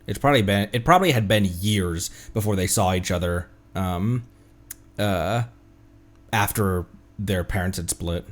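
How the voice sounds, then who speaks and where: A man streaming a game with casual, slangy, excitable reactions, often repeating his words. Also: low voice, a little slow. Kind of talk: casual live reaction commentary. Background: faint game music.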